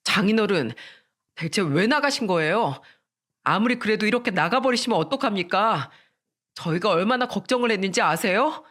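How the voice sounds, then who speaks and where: A reader voicing a furious husband who shouts accusations at his wife in a storybook radio drama. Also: high voice, animated, moderate pace. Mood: reproachful.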